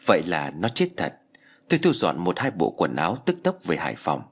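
A man narrating a ghost story in a slow, grave storytelling voice. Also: sits low, wildly swooping pitch, slightly rough.

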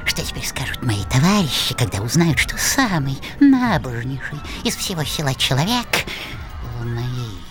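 A woman playing a sly, wheedling little male devil with a squeaky voice in a theatrical audio drama. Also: very animated. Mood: gloating. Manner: wheedling, drawn-out, giggly. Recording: music behind the voice.

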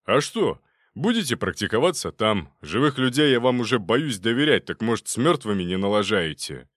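A man voicing a gruff, stern male doctor who scolds his interns loudly. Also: fairly low pitch, very animated, moderate pace, dry recording, studio quality. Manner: barking, exasperated scolding.

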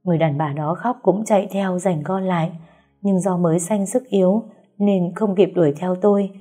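A woman's voice: fairly low pitch, steady tone, moderate pace, warm tone, faint music behind, close to an everyday voice. A woman voicing a frightened female household servant who stammers as she confesses. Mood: fearful. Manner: trembling, stammering.

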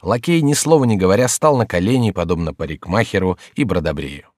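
A man narrating a classic novel in a measured, even storytelling manner for an audiobook. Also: low voice, no room sound, studio quality. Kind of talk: scripted literary narration. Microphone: close studio mic.

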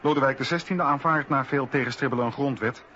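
A man's voice: mid-range voice, quick pace, pushed and bright, lo-fi sound. A man narrating a scripted historical radio documentary.

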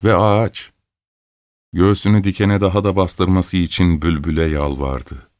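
A man reads a fairy tale aloud in a measured, expressive way. His voice sits very low, and the recording is dry and close, with no room sound. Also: no echo. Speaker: storyteller. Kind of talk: storybook narration.

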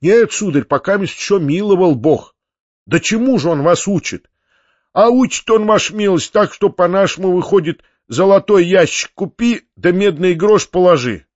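Talkative peasant man, folksy sayings, performed by a male reader, high, muffled recording. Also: expressive, normal speed, no room sound. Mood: complaining. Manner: folksy, talkative, proverb-spouting. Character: chattering male peasant with wispy beard. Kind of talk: audiobook character reading.

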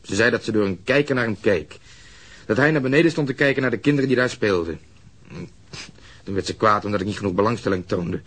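An actor playing a gruff, irritable, dismissive police detective in a radio drama, blunt and defensive. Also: male voice, on the low side, fast talker, a bit bright. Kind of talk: naturalistic Dutch radio drama acting.

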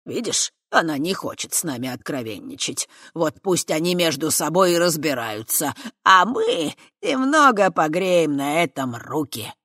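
A reader voicing an old horned male forest creature, a shrewd grandfather who speaks slowly and weightily. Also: fairly high pitch, very animated, sharp tone, dry recording, studio quality, exaggerated voice. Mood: firm. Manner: slow, weighty, calculating.

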